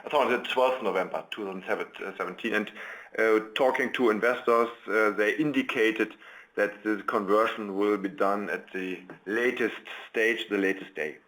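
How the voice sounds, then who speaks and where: A man with a fairly low voice speaks as a company executive on an investor conference call. He answers in a halting way, often going back to rephrase what he has just said. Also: a bit bright, rough recording.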